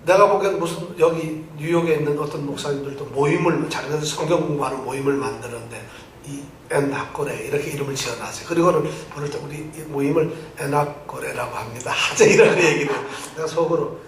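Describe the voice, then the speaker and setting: A male pastor preaching an animated sermon, quizzing his congregation and repeating key phrases for them to answer. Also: a little high, fast talker, slight background noise. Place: church sanctuary. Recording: echoey church hall from a distant mic.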